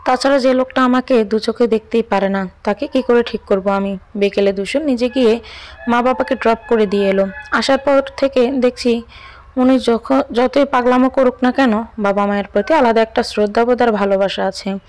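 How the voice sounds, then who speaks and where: A woman's voice: a little high, steady tone, normal speed, a little mellow. A young woman narrating a scripted first-person audio story expressively.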